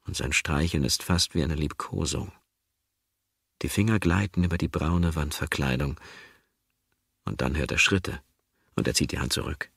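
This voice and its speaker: Male audiobook narrator, very low voice, husky, gravelly, dry close sound, hushed and slow. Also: no echo. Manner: slow, hushed, dwelling on repetitions.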